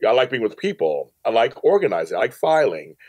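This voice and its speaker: Animated man in his fifties telling stories. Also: medium pitch, brisk, dry recording. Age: 50s. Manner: emphatic, repeats phrases for effect, acts out quoted dialogue. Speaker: podcast guest, professional organizer. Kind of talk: animated storytelling in a casual interview.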